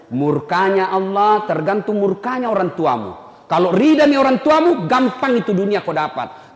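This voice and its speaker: A man preaching a humorous sermon to a crowd, animated and teasing, shouting his points. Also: sits high. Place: large echoey hall with audience. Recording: echoey hall, long reverb, faint noise.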